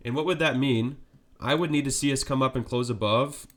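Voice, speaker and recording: Fairly quick and mid-range, the voice belongs to a man with a cold whose congestion is audible. He explains the markets steadily during a live stream, frequently asking "right?" along the way.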